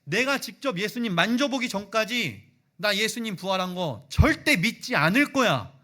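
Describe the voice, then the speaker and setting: A man's voice: high-pitched, expressive, moderate pace, bright, forceful tone, pitched above the performer's own voice. A male pastor voicing a stubborn, scornful male disciple who mocks and refuses to believe. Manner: mocking, dismissive, insistent.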